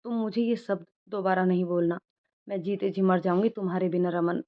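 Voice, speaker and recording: A woman with a fairly low pitch and fairly even intonation speaks briskly and with light acting. She voices a young woman doctor, fond yet quick to get upset, who scolds her boyfriend lovingly in storybook narration recorded in dull lo-fi.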